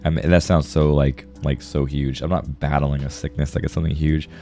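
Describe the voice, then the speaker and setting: A man's voice: very deep voice, level tone, a little fast, warm tone. A man chatting casually on an art livestream, friendly and slangy with viewers, his voice affected by a sore throat and congestion. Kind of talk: casual livestream chat while drawing. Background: music.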